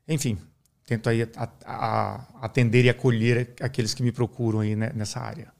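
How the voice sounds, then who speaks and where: A middle-aged man from Brazil speaks as a podcast guest, walking through medical ideas in a calm, teacherly way. His voice sits in an ordinary middle register, and he keeps checking in with the listener as he goes. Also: mid-range voice, vocal fry. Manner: measured, didactic, uses many "né?" tags. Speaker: neurologist guest. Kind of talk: explanatory podcast interview.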